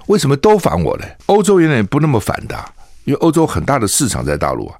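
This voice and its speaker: A man's voice: medium pitch, huge pitch swings, quick pace, a little mellow, dry recording, studio quality. An older man from Taiwan, a radio talk show host, giving opinionated commentary full of scolding rhetorical questions. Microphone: studio microphone.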